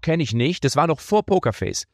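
A middle-aged man telling lively anecdotes in a casual podcast chat, often slipping into mock Italian voices. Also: on the high side, brisk, no echo, clean studio sound. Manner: animated storyteller, slips into mock Italian voices. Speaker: comedian guest.

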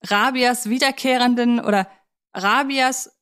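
A woman's voice: fairly high pitch, fairly even intonation, a little slow, a bit bright, smooth. Woman podcast co-host, enthusiastic and reflective. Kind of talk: casual film discussion. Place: studio.

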